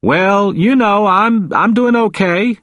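Man voicing a confused old man, high-pitched and emphatic. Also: slow, fairly bright tone, no echo. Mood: cheerful, hesitant. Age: older. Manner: emphatic, repetitive, folksy nonstandard grammar. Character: confused, frightened elderly man pleading in hospital.

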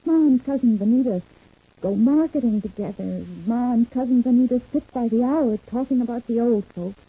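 An anxious, gentle young woman in an old radio serial. She speaks earnestly and pleadingly in a slightly high, husky voice, on a narrow phone-like recording. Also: moderate pace. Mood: troubled. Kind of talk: vintage radio soap opera acting.

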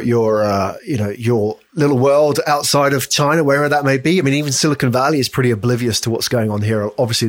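A man hosts a relaxed, conversational interview. He has a mid-range voice and a talkative, rambling way of building up to his questions. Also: medium pitch. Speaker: podcast host interviewing a guest.

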